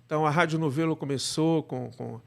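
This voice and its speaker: Telling his story as an interview guest, a middle-aged Brazilian actor and podcast producer speaks casually and digressively, leaning on frequent tag questions. His higher voice moves fairly quickly and shows vocal fry.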